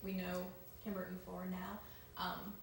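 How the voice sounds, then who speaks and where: A woman's voice: fairly low pitch, completely flat delivery, a little slow. A young woman co-hosting a casual chat show, talking loosely with lots of ums and asides. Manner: chatty, with many ums and asides. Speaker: co-host. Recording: echoey room, mic far off, noisy.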